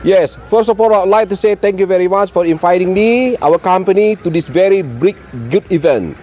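A man's voice: high-pitched, fairly quick, darkish tone. A man from Indonesia with an Indonesian accent, speaking in a friendly, emphatic way in a busy conference hall. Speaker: travel vlogger interviewing exhibitors. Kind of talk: casual event interview.

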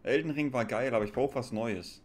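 A man's voice: mid-range voice, fairly quick, a crowd in the background. A man in his thirties with a German accent, chatting casually as a game streamer, close to a desk microphone. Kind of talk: casual live stream commentary.

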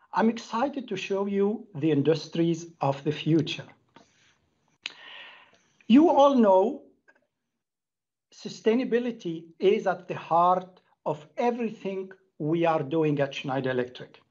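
Middle-aged man, raspy voice, emphatic executive presenter, scripted corporate talk, muffled lo-fi audio. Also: sits high, animated, slow, pauses often, a little mellow. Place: indoor room, plain wall.

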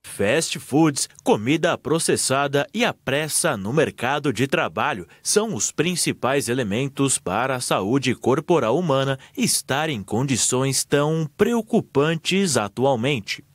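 A man with a Brazilian Portuguese accent reading a scripted news report in a steady, measured way. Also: mid-range voice, dry recording.

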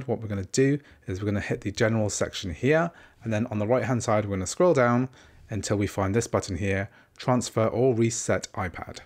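A man hosting a tech tutorial, calmly walking through each step on a tablet at a desk. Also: on the low side. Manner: calm, methodical, narrating each tap. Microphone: small handheld gimbal camera.

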